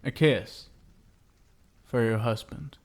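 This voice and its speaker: A man playing a possessive, sinister yet doting vampire husband in an intimate ASMR roleplay, coaxing with endearments and lingering pauses. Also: mid-range voice. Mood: adoring.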